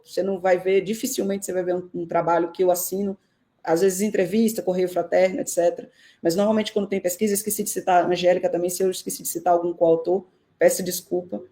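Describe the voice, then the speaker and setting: A woman from Salvador with a Northeastern Brazilian accent, answering questions in a live-stream interview in a thoughtful, measured way with frequent hesitations over a video call. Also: mid-range voice, dark tone. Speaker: guest researcher.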